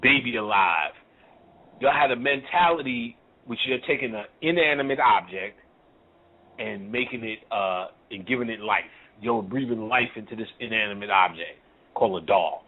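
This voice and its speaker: A man's voice: fairly low pitch, normal speed. Man, spiritual teacher, blunt and profane, street slang, phone-quality audio. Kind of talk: casual profane lecture.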